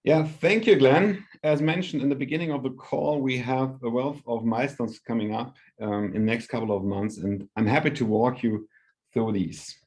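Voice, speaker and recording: Mid-pitched man presenting a formal company update. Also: moderate pace, darkish tone. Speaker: company executive. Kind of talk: prepared earnings call presentation.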